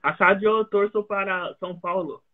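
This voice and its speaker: A man from Brazil with a Brazilian Portuguese accent, hosting a live interview and asking short questions in halting Spanish. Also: high voice, steady tone, narrow, tinny audio. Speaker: host. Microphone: video call.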